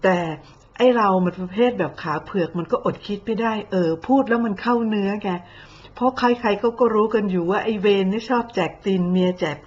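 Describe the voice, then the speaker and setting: A woman's voice: medium pitch, brisk, a little mellow, lo-fi sound. A woman giving mocking, blunt commentary full of coarse slang, with a sarcastic edge. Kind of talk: sarcastic social media commentary.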